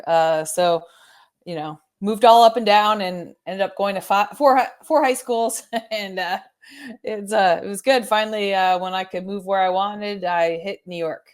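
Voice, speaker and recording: A woman's voice: on the low side, clear, resonant tone. A middle-aged woman from the eastern United States with an American accent, chatting casually and breezily as a guest. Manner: giggly, breezy. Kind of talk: casual chat.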